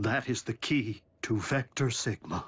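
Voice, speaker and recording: A man puts on a cartoonish character voice. His pitch sits in the middle range, and he talks at a moderate pace. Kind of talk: animated series drama. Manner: clipped, matter-of-fact.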